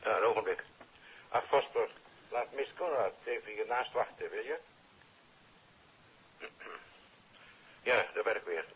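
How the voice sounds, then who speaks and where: An actor playing a brisk, dismissive senior police official on the telephone in a 1950s radio drama, authoritative, with a Netherlands Dutch accent. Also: male voice, fairly low pitch, slight background noise. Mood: matter-of-fact. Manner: authoritative, matter-of-fact. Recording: dull old radio recording.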